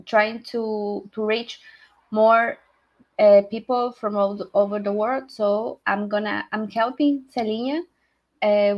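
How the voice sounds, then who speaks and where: Slow, halting Peruvian Spanish-accented woman. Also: mid-range voice, dull audio. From Peru. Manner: halting, many fillers and restarts, laughs often. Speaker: community member. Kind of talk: casual self-introduction.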